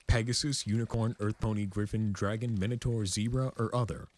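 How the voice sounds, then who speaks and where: A man's voice: fairly low pitch, steady tone, fairly quick, darkish tone, voice pushed up, natural voice. A man voicing a male pegasus clerk, literal and bureaucratic, in a story reading. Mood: hesitant, procedural. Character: officious, hesitant male pegasus clerk doing paperwork.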